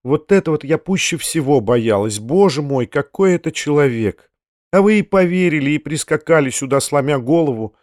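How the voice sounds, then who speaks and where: A male reader puts on a flustered young woman, pitched a little higher than his plain voice, firing off vexed exclamations. The sound is dry and close, with no room in it. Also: animated, a little mellow, no echo, close to an everyday voice. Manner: quick, exasperated exclamations.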